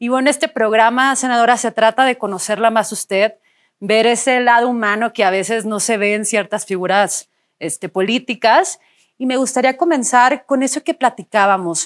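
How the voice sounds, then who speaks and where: Captured in a very clean recording with a silent background and a dry, close sound with no echo, a woman with a Sinaloan accent speaks at a fairly high pitch with ordinary pitch variation. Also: moderate pace. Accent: Sinaloan Mexican. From Mexico, Sinaloa. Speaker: interviewer, TV host. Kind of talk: interview.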